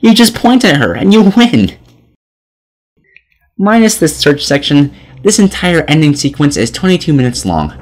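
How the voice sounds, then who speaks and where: A man's voice: a little high, sing-song, moderate pace. A man reading scripted video game review commentary in a sarcastic, exasperated manner. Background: music.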